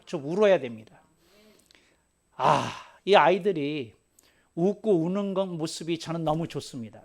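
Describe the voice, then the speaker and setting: Lively, playful Korean male pastor preaching. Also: fairly high pitch. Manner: lively, playful preaching with laughs and acted asides. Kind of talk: sermon.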